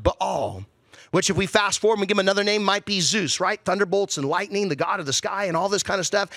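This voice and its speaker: Male pastor, high bright voice, conversational preaching, rhetorical questions, dry close sound. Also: dry recording. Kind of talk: sermon.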